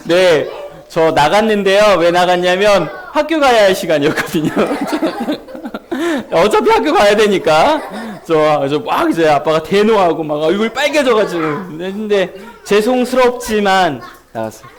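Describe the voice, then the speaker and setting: Brief: male children's pastor, high and sing-song, storytelling sermon full of questions for kids. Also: sing-song, moderate pace. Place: church children's service.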